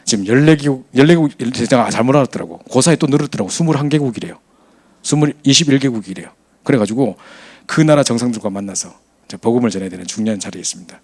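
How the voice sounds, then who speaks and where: Fast-talking, animated male pastor. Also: medium pitch. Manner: animated, chatty storytelling with acted quotes. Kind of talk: storytelling sermon to young adults.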